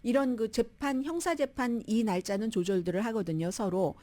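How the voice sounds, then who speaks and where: A woman's voice: on the high side, moderate pace, dark tone. A woman hosting a radio news show, giving chatty, opinionated commentary on the day's news and laughing at her own asides. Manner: chatty, opinionated, quotes people in little voices, laughs at herself. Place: radio studio.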